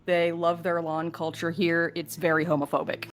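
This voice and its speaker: A woman with a slightly low voice hosts a relaxed panel Q&A. She talks in a casual, conversational way as the host of the group. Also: moderate pace, slight background noise. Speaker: podcast host, producer and voice actor.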